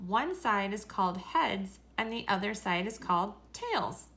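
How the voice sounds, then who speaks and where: A woman reading a children's story aloud in a deliberate, expressive way. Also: medium pitch. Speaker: story reader.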